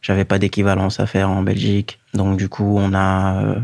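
A low-pitched man in his thirties from Guinea, with Fula as his first language. His voice is gravelly, and he speaks in a flat, steady tone. He talks reflectively, pausing often to gather his words, and the sound is dry and close. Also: dry recording. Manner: measured, pausing often with fillers. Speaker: interview guest. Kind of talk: reflective personal storytelling.

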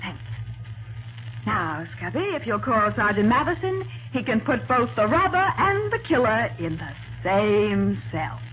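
An actress with an American accent playing a sharp, determined young woman detective's assistant in a 1940s radio drama. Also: a little high, big pitch swings, unhurried. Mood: firm, accusing. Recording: noisy muffled 1940s radio recording.

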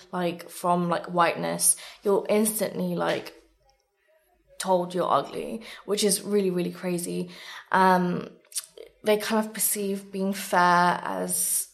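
A woman born in Sri Lanka speaking candidly and emphatically as a guest in a casual interview, often saying "like". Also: on the low side. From born in Sri Lanka, moved abroad aged three or four. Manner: earnest, emphatic, frequent "like". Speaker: guest, beauty content creator.

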